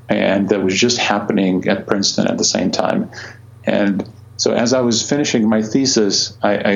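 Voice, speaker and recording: A man in his forties from Croatia speaks with a low, gravelly voice and keeps pausing on fillers and restarting his sentences. The recording sounds a little dull and muffled. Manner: hesitant, many fillers and restarts. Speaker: astronomer guest. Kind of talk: conversational interview answers.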